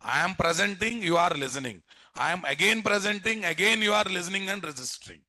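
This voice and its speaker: A man's voice: sits high, lively intonation, a little fast, bright, forceful tone, no echo. A man with a Telugu Indian English accent teaching a live programming class in a blunt, scolding way, repeating himself and tossing out rhetorical questions. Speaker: programming instructor. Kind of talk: live classroom lecture to students.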